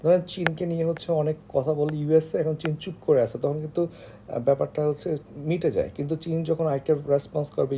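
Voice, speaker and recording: A man with a Bangladeshi accent teaches informally in a very dark, soft-edged voice that sits slightly high and turns creaky. He explains step by step in a halting way, leaning on filler phrases. A faint noise sits behind him. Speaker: online tutor for job exam candidates.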